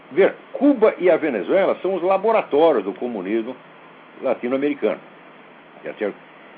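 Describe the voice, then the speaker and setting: Background noise can clearly be heard. Over it, a man speaks at a moderate pace. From Brazil. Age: 60s. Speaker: radio show host. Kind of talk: call-in show commentary. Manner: animated.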